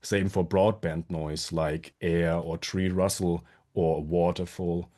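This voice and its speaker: A man with a low, dark voice presents a conference talk. He is a little sick and his voice sounds strained, but he keeps it friendly and drops dry self-mocking jokes. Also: level tone, slow. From Germany. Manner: friendly, self-deprecating humor. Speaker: conference speaker, sound designer.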